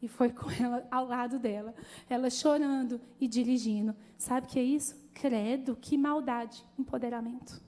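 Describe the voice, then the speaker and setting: A woman pastor preaching a sermon in an animated, conversational way, calling out to the congregation. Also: on the high side, moderate pace. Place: church. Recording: long church hall reverb.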